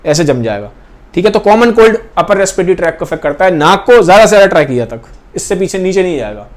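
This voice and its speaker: A man's voice: high-pitched, big pitch swings, quick pace. A young man teaching a biology class, repeating key points and often checking in with his students. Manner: points at pictures while explaining. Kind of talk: explaining a class lesson.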